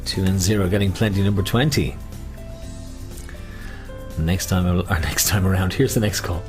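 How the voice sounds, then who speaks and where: A man hosting an online game as a bingo caller, with chatty, jokey patter and drawn-out number calls using traditional nicknames. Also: deep voice, fairly even intonation, darkish tone, soft background music.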